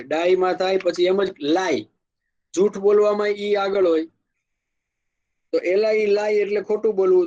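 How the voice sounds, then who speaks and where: A man with a Kathiawadi Gujarati accent teaching an English grammar lecture, explaining slowly with spoken examples and asides. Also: high-pitched, darkish tone, highs cut off. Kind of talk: classroom lecture.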